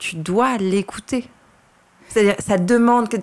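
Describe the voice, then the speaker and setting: This woman talks at a very slow pace. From Luxembourg. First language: Moroccan Arabic (speaking French). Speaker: novelist. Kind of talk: interview.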